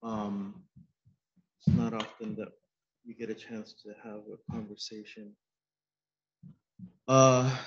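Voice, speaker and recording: Courteous man speaking formally at a panel. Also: mid-range voice. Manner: formal and courteous, with hesitant fillers. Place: conference room with panel table. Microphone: table mic on stand. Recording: dull lo-fi conference audio.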